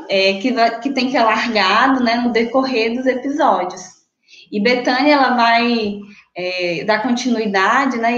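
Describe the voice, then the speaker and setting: A young Brazilian woman speaking on a university panel from home over a video call, thoughtful and full of fillers and restarts. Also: on the high side. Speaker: panelist, graduate researcher. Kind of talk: academic panel talk, casual. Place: small room at home, indoors. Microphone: laptop webcam on video call. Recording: echoey room, dull lo-fi video call audio.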